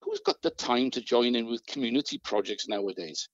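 A man's voice: medium pitch, expressive, fairly quick, no echo. A man playing an earnest, worried British project worker in a radio drama, polite and hesitant. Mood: anxious. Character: anxious, earnest male events project worker. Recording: dry, slightly muffled.

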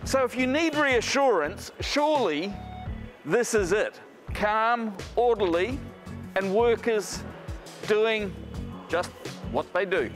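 A man's voice: sits high, expressive, slow pace, pauses often, music in the background. A middle-aged man with a New Zealand accent doing light-hearted TV feature reporting. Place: large warehouse.

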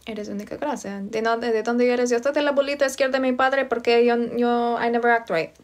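Speaking a little fast in a steady, slightly high voice, a young Virginia woman livestreams casually from her home. With her phone held close, she reads out viewer comments, responds to them, and says hello to people by name.

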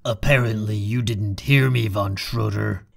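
A man's voice: fairly low pitch, fairly even intonation, a little slow, gravelly, exaggerated voice. A man playing a cold, proud, defiant hero in an audio drama, speaking with curt, controlled contempt. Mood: defiant, threatening. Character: cold, proud, defiant man guarding his younger brother. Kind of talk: fan audio drama acting.

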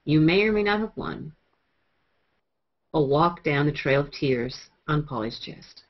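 A woman's voice: deep voice, a little slow. Wry woman on a video call. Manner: wry, deadpan teasing. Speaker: co-host. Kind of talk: casual group video chat. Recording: muffled lo-fi video call audio.

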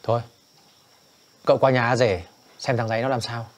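Actor as a stern leader, curt, gives orders, TV drama. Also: male voice, mid-range voice, level tone, moderate pace, close to an everyday voice. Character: stern man in charge, caring for a sick child. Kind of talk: television drama acting.

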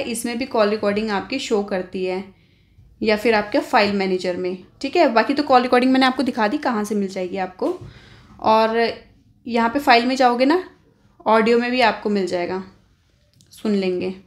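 A woman's voice: a little high, normal speed. An Indian woman hosting an informal phone tutorial, explaining step by step and often adding little check-in tags. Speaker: tech tutorial host.

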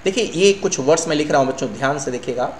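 A man's voice: on the high side, expressive, racing, a little mellow. A middle-aged male English teacher explaining word meanings to his students in Hindi, asking and answering his own questions. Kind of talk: vocabulary lesson. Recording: echoey room, faint hum.

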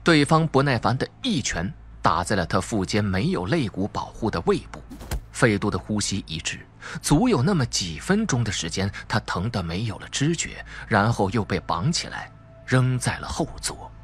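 A man's voice: lowish voice, big pitch swings, moderate pace, slightly rough. A man narrating a suspense audiobook in a dramatic, emphatic storytelling manner.

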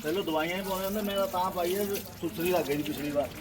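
A man's voice: high voice, very fast, a crowd in the background. A man with a Punjabi accent, talking casually while he works. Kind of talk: casual chat while working. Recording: noisy outdoor recording, water sounds.

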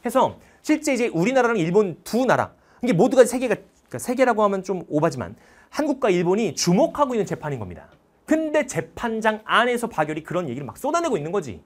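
A high-pitched male history teacher gives a lively lecture retelling a film. He tells it dramatically and quizzes his listeners with questions.

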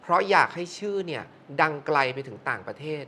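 Woman, middle-aged, expressive storyteller, lively intonation. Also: sits low, quick pace, slight background noise. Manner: expressive, acts out quoted voices. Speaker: film producer or director. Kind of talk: casual interview storytelling.

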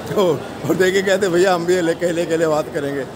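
A man's voice: fairly high pitch, a little fast. A man with a Punjabi accent, vlogging on a phone as he walks through a busy exhibition hall and chats with people. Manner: chatty, greets people warmly in passing. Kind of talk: walk-around expo vlog chat. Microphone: handheld phone camera. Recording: loud background noise.

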